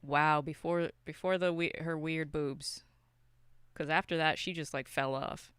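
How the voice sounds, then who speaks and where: Clear-voiced podcast host, very dry sound. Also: mid-range voice, fairly even intonation, a little slow, fairly bright tone, dry recording. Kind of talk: casual film and game discussion.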